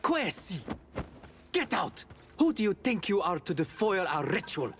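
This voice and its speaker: A man's voice: high voice, very animated, measured pace, fairly bright tone, a little hiss or hum, exaggerated voice. A man playing a suspicious, hot-tempered tribal guard of a sacred ritual in a video game. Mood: outraged. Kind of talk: video game cutscene acting.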